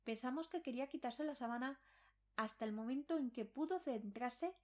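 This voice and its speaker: A woman's voice: high voice, moderate pace. A woman reading a scripted first-person supernatural horror story as a dramatic narration.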